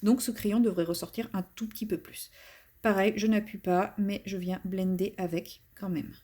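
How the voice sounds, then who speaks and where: A woman's voice: medium pitch, fairly even intonation, normal speed, warm tone. A woman talking casually while she colors, rambling and poking fun at herself, with many fillers. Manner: chatty, self-mocking, rambling with fillers and restarts. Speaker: coloring channel host. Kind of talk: casual color-along commentary.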